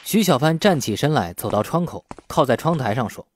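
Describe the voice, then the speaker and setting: Animated male audiobook narrator. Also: mid-range voice, brisk. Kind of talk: scripted novel narration with acted dialogue.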